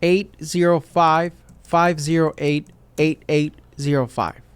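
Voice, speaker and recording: A man's voice: a little high, flat delivery, slow pace, smooth, dry recording. A man voicing a citizenship applicant who gives short, plain, careful answers to an officer in a scripted practice dialogue.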